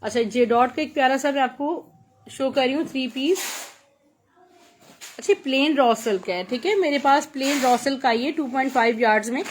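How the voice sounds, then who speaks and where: A woman with a Pakistani accent giving a live sales pitch for clothes in chatty teleshopping patter, repeating her praise and prices. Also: normal speed, slight background noise. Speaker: live online clothing seller.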